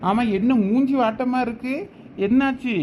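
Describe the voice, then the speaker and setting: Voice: medium pitch, steady tone, normal speed, a little mellow, slight background noise, close to an everyday voice. A performer playing a practical, concerned middle-aged village husband giving chores in a village drama. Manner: plain instructing, concerned.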